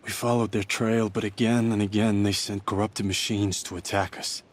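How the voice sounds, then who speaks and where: A man's voice: fairly low pitch, level tone, normal speed, close to an everyday voice. A man voicing a wounded, weary tribal warrior in a video game, strained and urgent.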